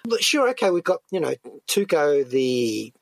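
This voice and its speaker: Male radio host for conversational reviews: enthusiastic, discursive, rough-edged husky voice, very dry studio sound. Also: a little high, sing-song, moderate pace, no room sound.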